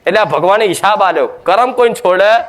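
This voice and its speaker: High-voiced preacher scolding. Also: male voice, brisk. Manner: emphatic, scolding, full of rhetorical questions. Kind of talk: sermon.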